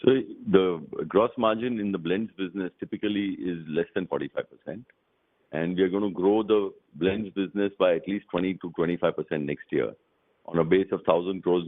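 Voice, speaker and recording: Deep-voiced man on phone line. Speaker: company executive answering analysts. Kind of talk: earnings call answers. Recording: narrow tinny phone line.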